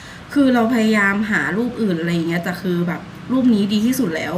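A woman's voice: mid-range voice, expressive, quick pace, a little hiss or hum. A young woman chatting politely and gushing like a fan in a casual vlog, filmed on a phone held at arm's length while she walks outdoors and sits in a café. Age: young adult. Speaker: vlogger. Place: outdoors on a city street and in a café. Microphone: phone camera held at arm's length.

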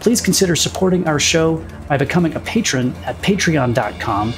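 A man's voice: a little high, expressive, brisk. Male announcer over prominent music. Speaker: credits announcer. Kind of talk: scripted announcement.

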